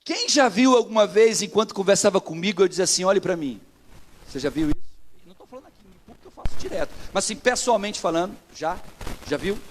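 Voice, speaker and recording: High-voiced Brazilian pastor preaching. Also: male voice, lively intonation, fast talker. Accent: Brazilian Portuguese. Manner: preaching with rising intensity, acting out quoted dialogue. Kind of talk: sermon.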